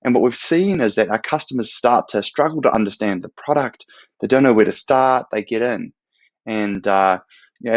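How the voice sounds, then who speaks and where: Man, thirties, New Zealand accent, low pitch, gravelly, measured explainer, dry close webcam mic, lo-fi. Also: no echo. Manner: measured, explanatory, with some fillers. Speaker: product manager giving a talk. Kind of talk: recorded conference presentation. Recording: dull, slightly lo-fi sound.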